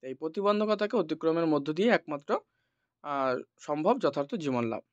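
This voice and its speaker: A middle-aged man with a high voice teaches a school lesson from West Bengal, stopping often to think aloud with an "ah" before going on. The sound is flat and lo-fi, with no room echo at all. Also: normal speed. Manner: thinking aloud with frequent "ah" fillers. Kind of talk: explanatory lesson. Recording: dull dry lo-fi recording.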